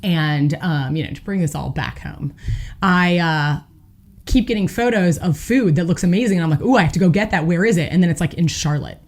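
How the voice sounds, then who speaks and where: A woman, co-hosting a podcast, her voice hoarse, telling stories in a chatty way with lots of fillers. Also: on the low side, lively intonation, fairly quick, darkish tone. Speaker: podcast co-host. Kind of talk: casual chat.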